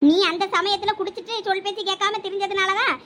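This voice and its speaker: A woman with a Thoothukudi Tamil accent voicing a sharp-tongued middle-aged elder sister in a cartoon family drama, scolding quickly and defiantly. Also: very high voice, fairly even intonation, a little hiss or hum.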